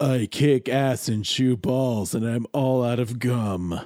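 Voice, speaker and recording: Someone uses a put-on character voice, delivered at a fairly slow pace. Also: man, medium pitch for a man. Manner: gruff, macho.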